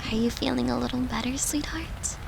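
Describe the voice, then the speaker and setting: A woman's voice: fairly high pitch, steady tone, fairly quick, background noise. A woman playing a devoted, playful and protective human girlfriend in an intimate comfort audio roleplay, speaking in a tender, soothing, coaxing way. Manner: tender, soothing, coaxing, slipping into breathy murmurs.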